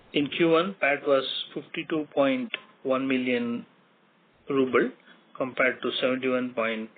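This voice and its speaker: A man with an Indian accent formally reads out company results as an executive, in a measured, factual way, figure by figure. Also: mid-range voice. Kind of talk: formal scripted earnings presentation. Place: conference call over a phone line. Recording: tinny phone line with clear noise.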